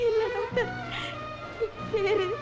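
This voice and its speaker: A woman's voice: extremely high pitch, fairly even intonation, takes it slowly, dull audio, music in the background. A crying amnesiac young woman. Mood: tearful. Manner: pleading, tearful. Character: frightened young woman patient who lost her memory.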